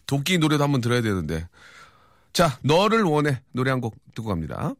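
A middle-aged man hosting a live radio show, reading listener texts with quick, teasing banter and lots of fillers. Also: mid-range voice, big pitch swings, no echo, studio quality. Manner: fast, joking, teasing banter with frequent fillers. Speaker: radio host. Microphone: studio microphone.

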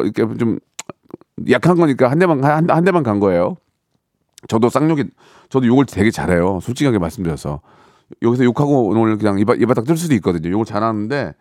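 The clean, roomless studio sound carries a middle-aged host's slightly mellow, medium-pitched voice as he chats on the radio. Repetitive and jokey, he reads listener messages, puts on mock voices, and sings short bits, all into a studio microphone.

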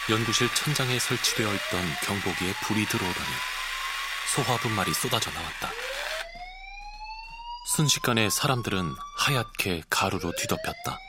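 A male voice actor giving scripted audiobook narration with expressive storytelling, recorded close on a studio mic. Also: on the low side, very noisy.

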